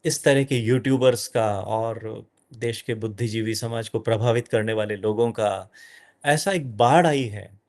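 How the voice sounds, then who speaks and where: A middle-aged man giving an animated lecture to an audience as a guest speaker, dropping in English phrases. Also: fairly low pitch, unhurried.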